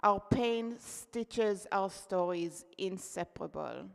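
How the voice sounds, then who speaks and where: A woman from Israel, Hebrew her first language, reads her own essay at a poetry event held in a hall. Her voice is creaky yet clear and resonant, mid-pitched, unhurried and reflective, with a long hall reverb trailing after it.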